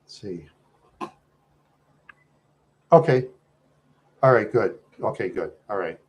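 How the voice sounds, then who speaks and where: A man with an American accent chatting casually to viewers as a livestream host, rambling along in a talkative, halting way. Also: on the low side, lively intonation.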